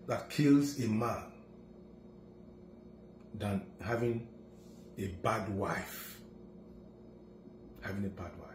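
Preachy Nigerian man in an echoey room. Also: slight background noise. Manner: preachy, swings from low solemn murmurs to loud declarations. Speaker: political commentator. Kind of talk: emphatic video commentary. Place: indoor office room.

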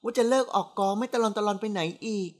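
A woman's voice: on the high side, fairly even intonation, fast talker, voice pushed up, close to an everyday voice. A woman reading a novel aloud, voicing a playful, sassy young woman who teases her aunt. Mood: coaxing. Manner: bright, coaxing and sassy. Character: playful cheeky young woman, teasing niece.

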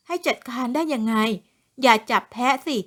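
A woman voicing a spoiled, haughty young woman who yells and protests being arrested, in a shrill, indignant tone. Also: drawn-out words, heavily acted. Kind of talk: audiobook character voice.

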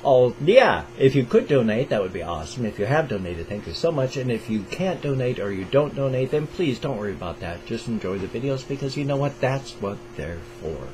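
An older man with a Pacific Northwest American accent talks to his viewers from a small room at home over a headset mic. His delivery swings up and down with animated pitch as he chats eagerly. A faint hum sits under the voice. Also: rough recording. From Pacific Northwest, USA. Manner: enthusiastic, keeps voice raised to a higher register, speaks slowly on purpose. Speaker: reaction video host. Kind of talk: casual chat to camera. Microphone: over-ear headset.

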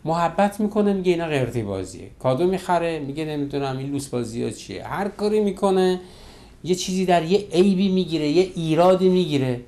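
Middle-aged guy, marriage counselor type, kinda high voice, animated, does the voices of bickering couples. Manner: animated, acts out couples' quarrels in quoted voices. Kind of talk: lecture on relationships.

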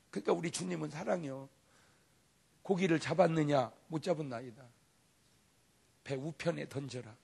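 Gravelly, husky Korean revival pastor. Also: male voice, a little high. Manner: emphatic and humorous, swinging between loud exclamations and quiet asides. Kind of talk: revival sermon. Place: live revival meeting.

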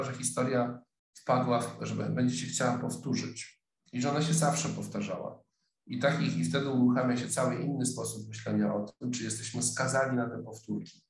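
A middle-aged man giving an online lecture on a webcam, speaking thoughtfully with many pauses, fillers and restarts. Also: mid-range voice, roomy sound, low-quality recording. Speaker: sociologist lecturer. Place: office room, indoors. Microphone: webcam video call.

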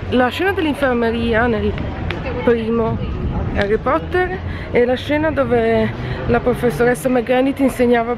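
A woman in her thirties, a travel vlogger talking to viewers in an upbeat, chatty way while filming herself on a phone held at arm's length. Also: on the high side. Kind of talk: casual travel vlog. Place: city streets outdoors and hotel room. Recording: busy street with crowd noise. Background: crowd and street noise.

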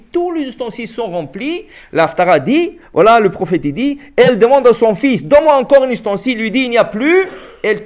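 Animated high-voiced rabbi telling a story. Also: male voice. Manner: animated storytelling, acting out the dialogue; repeats words and restarts phrases. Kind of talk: Torah lesson sermon.

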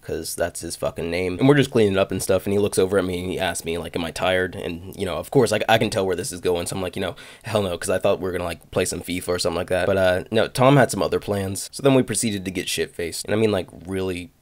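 A man's voice: low-pitched, fast talker, hardly any pauses, dry recording. A young man with a cold and a slightly nasal voice, telling a joking, crude story over gameplay. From United States. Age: young adult. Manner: joking, crude, self-mocking asides. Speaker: gaming commentary host.

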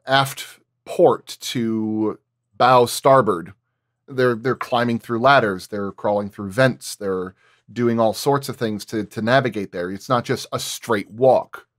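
A man's voice: medium pitch, dry recording, clean studio sound. A man working as a sound designer explains his craft in detail in a roundtable discussion.

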